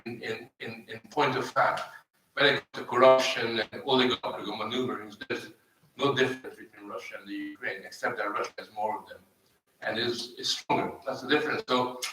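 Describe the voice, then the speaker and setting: A man from Hungary, arguing as a panelist in deliberate phrases that often restart. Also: mid-range voice, pushed and bright. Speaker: panel speaker. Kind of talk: argumentative panel remarks. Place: live panel event in an echoey room. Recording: very echoey room, distant microphone.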